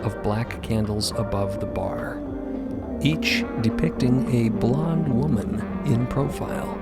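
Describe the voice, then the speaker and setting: A man's voice: mid-range voice, slow pace. A man narrating a scripted audio drama in a dramatic storytelling style. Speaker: podcast narrator. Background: loud music.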